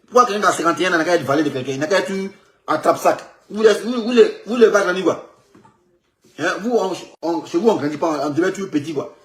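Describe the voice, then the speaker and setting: A man comments on a picture in an animated, rambling flow, stumbling over words and repeating himself. His voice sits a little high for a man. The room around him is echoey. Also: fairly quick. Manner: animated, repetitive, stumbling restarts. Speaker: political commentator.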